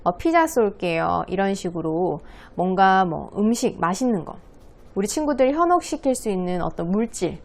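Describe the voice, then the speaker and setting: A woman speech coach explains public speaking to young schoolchildren in a patient, friendly way. Her voice sits at an ordinary middle pitch for a woman. She talks while writing on a board. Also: animated, normal speed. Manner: friendly, patient teacher voice addressing children. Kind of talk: lesson for schoolchildren.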